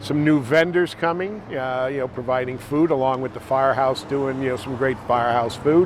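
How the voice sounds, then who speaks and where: With noticeable background noise, a man with an American accent speaks at a fairly quick pace in a medium pitch, showing ordinary pitch variation. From Pottsville, Pennsylvania. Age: 60s. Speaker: car show organizer, city councilman. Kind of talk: casual interview.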